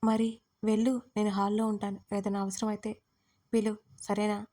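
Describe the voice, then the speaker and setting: A tender young man soothing someone softly, as a woman storyteller reads him. The voice stays mellow and dark with a flat, even pitch. It is storybook drama, quiet and reassuring. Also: moderate pace, close to an everyday voice.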